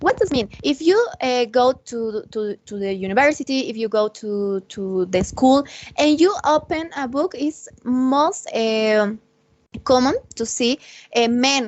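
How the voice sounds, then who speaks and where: With a Bolivian accent, a woman speaks at a fairly slow pace and a high pitch. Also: lively intonation. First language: Spanish. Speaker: student ambassador, AI researcher. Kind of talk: conference presentation. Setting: online conference. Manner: halting, many fillers and repetitions.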